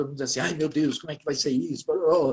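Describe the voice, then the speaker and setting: A man with a fairly high pitch speaks in a somewhat breathy voice. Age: 70s. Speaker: voice actor. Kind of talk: interview.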